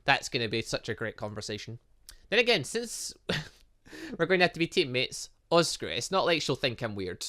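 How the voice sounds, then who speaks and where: A man's voice: medium pitch, big pitch swings, moderate pace, pushed and bright. A man doing let's-play commentary, reading visual novel dialogue aloud with jokey asides and frequent stumbles. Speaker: gaming video host.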